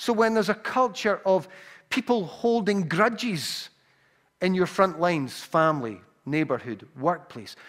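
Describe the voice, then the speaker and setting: A high-pitched man with a Glaswegian accent and very wide pitch swings. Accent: Glaswegian Scottish. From Glasgow, Scotland. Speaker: pastor. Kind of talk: sermon. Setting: church.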